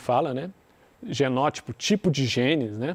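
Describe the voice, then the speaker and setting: A man speaks at a fairly slow pace with ordinary pitch variation in a very clean recording with a silent background. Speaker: science teacher. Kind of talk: lecture.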